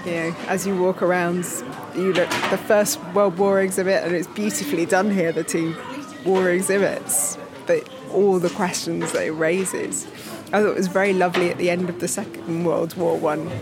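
A middle-aged woman visiting a museum, reflecting aloud and asking rhetorical questions. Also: lowish voice. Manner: thoughtful, asks rhetorical questions. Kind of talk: reflective interview answers. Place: busy museum gallery indoors. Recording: busy museum crowd behind.

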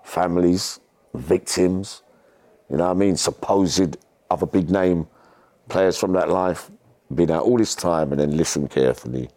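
Very deep-voiced man, rambling and slangy. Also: a little slow, darkish tone, dry recording. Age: middle-aged. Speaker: podcast guest. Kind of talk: casual chat, personal storytelling.

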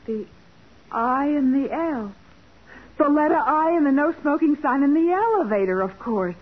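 An actress playing an anxious, curious detective's assistant in a 1940s radio crime drama, full of questions. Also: female voice, high-pitched, expressive, normal speed, phone-quality sound. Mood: amazed. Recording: thin, noisy 1940s radio recording.

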